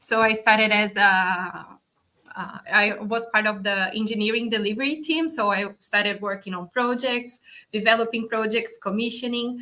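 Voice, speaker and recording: In a Brazilian Portuguese accent, the speaker has a bright, sharp tone and fairly even intonation at a moderate pace. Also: woman, fairly high pitch for a woman. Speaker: automation engineer. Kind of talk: casual chat.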